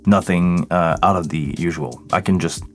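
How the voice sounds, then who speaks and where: A man's voice: low-pitched, moderate pace, soft background music. A tired man, hosting a casual livestream Q&A and chatting with viewers by name. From Quebec, Canada. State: tired, voice deeper than usual this morning. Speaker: live sound engineer hosting a livestream.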